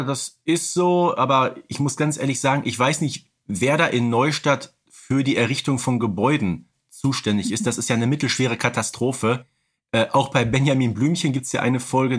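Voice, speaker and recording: A man's voice: mid-range voice, fairly bright tone, breathy edge. A man from Germany's Ruhr area co-hosting a casual, humorous podcast, talking emphatically with playful, mock-outraged exaggeration. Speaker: podcast co-host.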